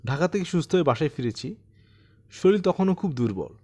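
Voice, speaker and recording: A man's voice: fairly high pitch, lively intonation, brisk, warm tone. A man voicing a troubled man of sixty-seven in an audiobook, earnest, self-deprecating and insistent as he recounts something eerie. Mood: haunted, wondering. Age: 60s. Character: troubled 67-year-old man recounting his eerie haunting. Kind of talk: dramatised audiobook storytelling.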